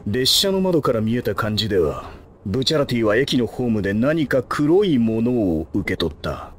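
A man playing a ruthless, proud gangster assassin in an anime video game, husky, with theatrical, menacing, rough tough-guy speech. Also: medium pitch, sing-song, moderate pace, noisy background, lightly acted. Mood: stern, controlled.

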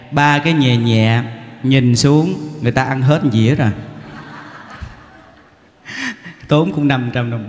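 A man with a Southern Vietnamese accent, a monk giving a humorous sermon full of stories, teasing the audience and acting out characters. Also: mid-range voice. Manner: animated, teasing, acts out characters. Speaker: monk giving a dharma talk. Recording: echoey hall, faint background noise.

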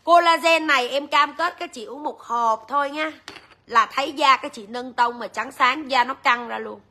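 A woman's voice: sits high, normal speed, bright, forceful tone. A woman, chatting straight to viewers as she sells jewelry on a livestream. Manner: chatty, addresses viewers directly. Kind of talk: live-selling chat.

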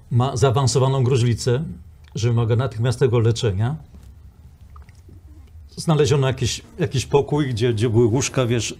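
A man's voice: mid-range voice, a little mellow, breathy edge. An older man, a talk show guest, tells a long story with many repeated words and acted-out quotes. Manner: rambling, repeats words, acts out quoted voices.

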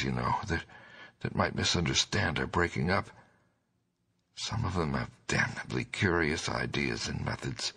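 A man voicing a nervous man who confides haltingly and uneasily in a friend, in a horror audiobook. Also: a bass voice, vocal fry, sharp tone, slightly rough, voice pushed up, full character voice.

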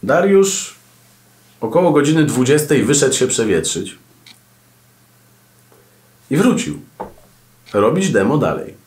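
A man hosting a podcast, giving casual radio advice with animated, ironic storytelling and asides. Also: mid-range voice, slow pace, pauses often, echoey room. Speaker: podcast host and radio presenter. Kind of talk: casual advice talk to camera.

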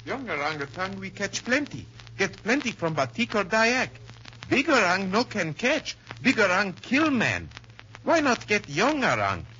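Anxious Malay jungle servant, 1930s radio drama. High, bright voice, clipped pidgin, muffled noisy old recording. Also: male voice, wildly swooping pitch, unhurried, exaggerated voice. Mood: protesting.

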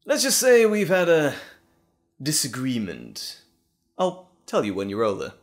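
Casting: sinister evil-twin villain for audio roleplay, slow, savoring pace, highly animated pitch, mocking and gloating. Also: male voice, exaggerated voice. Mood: amused, impressed. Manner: mocking, drawn-out, theatrical delivery with chuckles. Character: gloating, sinister male evil alter ego, theatrical villain.

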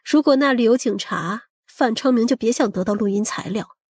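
A woman playing a shrewd, protective and excitable middle-aged mother in an audiobook drama, speaking emphatically. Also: a little high, brisk, husky, no echo, clean studio sound. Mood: calculating, firm.

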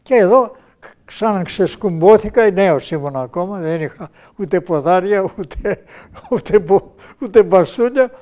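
Lively older storyteller man, high voice. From Macedonia, Greece. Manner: lively, acts out past dialogue with shifting voices. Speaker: retired heart surgeon interviewee. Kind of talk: reminiscing storytelling.

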